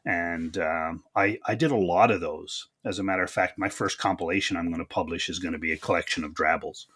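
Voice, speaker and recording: A man's voice: sits low, fairly even intonation, fairly quick, fairly bright tone, breathy edge. A man hosting a podcast in a casual, conversational interview style, with a folksy, encouraging manner and frequent words of agreement. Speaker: podcast host.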